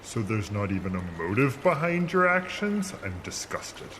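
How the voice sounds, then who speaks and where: A deep-voiced, immortal sea monster, stern and vengeful. The speech is grand and formal, full of scorn for mortals, with watery noise clearly behind it in this audio drama. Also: male voice, very animated, normal speed, a bit bright. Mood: indignant, scornful.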